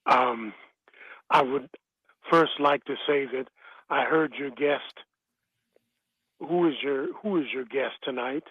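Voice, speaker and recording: Husky man calling in by phone. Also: mid-range voice, takes it slowly, pauses often, no echo. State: in pain. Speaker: caller. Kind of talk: radio call-in. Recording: phone line.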